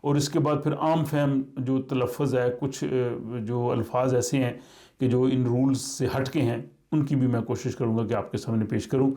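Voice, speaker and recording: A middle-aged man explains a lesson in a slow, measured way, often pausing to hesitate. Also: mid-range voice, steady tone, mellow. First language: Urdu. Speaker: language teacher.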